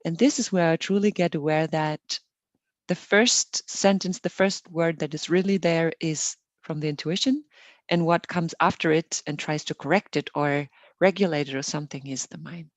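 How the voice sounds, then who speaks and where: A woman hosting an online meditation session, welcoming people in a gentle, unhurried and reassuring way. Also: sits low, no room sound. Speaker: meditation host. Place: online group call.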